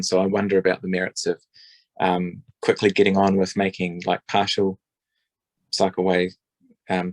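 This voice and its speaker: A man's voice: low-pitched, dry recording, poor audio. A man giving a rambling, hesitant spoken submission at a public forum, with many ums and restarts. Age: adult parent.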